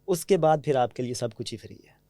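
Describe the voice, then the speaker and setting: A man from Pakistan speaks with a Punjabi-tinged Urdu accent, telling anecdotes in an easy, conversational way and often pausing to check that the listener follows. His voice is mellow and dark. It was recorded close and dry, with no room sound. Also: mid-range voice, animated, no echo. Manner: anecdotal, frequently asks "theek hai?" to check understanding. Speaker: podcast guest. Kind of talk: conversational storytelling.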